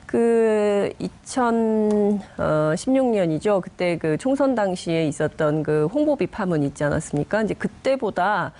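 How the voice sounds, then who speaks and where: A woman's voice: mid-range voice, animated, measured pace, hardly any pauses, warm tone. A woman giving political analysis on a discussion panel, explaining in long chained sentences. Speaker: panel commentator. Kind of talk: political news analysis in conversation.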